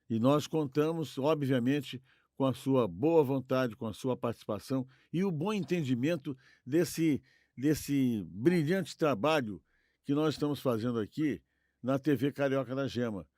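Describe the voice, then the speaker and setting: A man's voice: mid-range voice, mellow, no room sound, clean studio sound. A Brazilian man co-hosting informally, addressing people in a courteous, wordy way. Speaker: co-host. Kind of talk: informal hosting, audience appeal.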